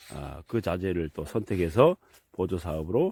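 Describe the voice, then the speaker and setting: With a dry, close sound and no echo, a man speaks in a very deep, low pitch, his tone dark and mellow and his pitch variation ordinary. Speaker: organic farmer. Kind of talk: tutorial. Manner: halting, many filler sounds.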